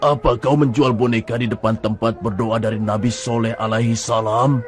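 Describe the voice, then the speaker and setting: A man's voice: mid-range voice, fairly even intonation, normal speed, faint music behind, close to an everyday voice. A man voicing a stern male tribal elder in a dubbed cartoon.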